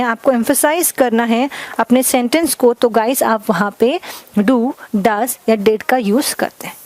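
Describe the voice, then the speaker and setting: Fairly high-voiced woman teaching grammar. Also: a little mellow, no room sound. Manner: explains slowly with many checks of understanding; mixes Hindi and English. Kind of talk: classroom lesson.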